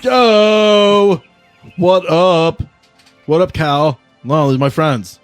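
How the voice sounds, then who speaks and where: Casting: game master as cocky, friendly male driver, tabletop game. Loud, familiar street slang; music behind. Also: sits high, very slow, smooth, no echo, pitched above the performer's own voice. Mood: boisterous, friendly.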